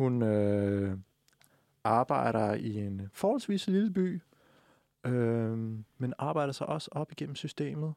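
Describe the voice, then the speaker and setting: A man speaks at a very slow pace with a medium pitch and a dark, mellow tone, his pitch swinging very widely between long, frequent pauses. The sound is dry and close with no echo, over a quiet background. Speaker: podcast host. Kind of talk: casual chat.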